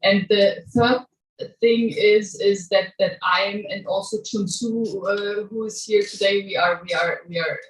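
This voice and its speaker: A woman's voice: medium pitch, fairly even intonation. German-accented woman, distant and echoey. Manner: halting, many restarts, laughs as she talks. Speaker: guest writer giving a reading. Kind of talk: informal introduction at a public reading. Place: small venue before a live audience. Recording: echoey room, voice from far off.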